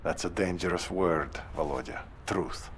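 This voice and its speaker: A man's voice: sits low, moderate pace, a little hiss or hum, lightly acted. A man playing a cold, scheming Soviet major. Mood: guarded. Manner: cool, calculating. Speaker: army major. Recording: game cutscene with loud music behind.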